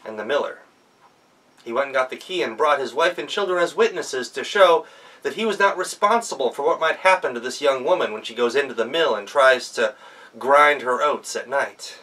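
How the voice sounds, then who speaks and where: A man's voice: mid-range voice, moderate pace, sharp tone, distant mic, rough recording. A man narrating a folktale aloud in a theatrical storyteller's manner. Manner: theatrical, with emphatic sound words. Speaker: professional storyteller.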